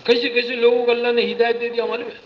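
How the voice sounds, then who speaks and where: A man giving an animated, storytelling sermon and mimicking the people in his stories. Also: extremely high pitch, rapid-fire. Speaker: preacher giving a religious talk. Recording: slightly muffled recording with faint hiss.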